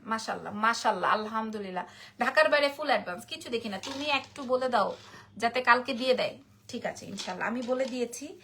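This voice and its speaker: A woman's voice: a little high, pushed and bright, slight background noise. A sleepy woman with a Bangladeshi Bengali accent, chatting through a live-stream jewelry sale, repeating prices and reading out viewer comments. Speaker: online jewelry seller. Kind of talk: live-stream sales pitch.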